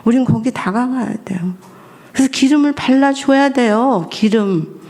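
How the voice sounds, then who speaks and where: A woman's voice: a little high, normal speed. A middle-aged woman missionary preaching at a Friday prayer meeting, asking the congregation questions. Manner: lively, asks the congregation questions. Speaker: missionary and family counselor.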